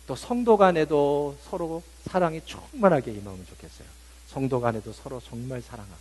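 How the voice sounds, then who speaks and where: A man's voice: lowish voice, darkish tone, a little hiss or hum. A male pastor preaching a Holy Week sermon to his congregation. He preaches emphatically, slips English words in, and coaxes the listeners to answer him. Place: church service.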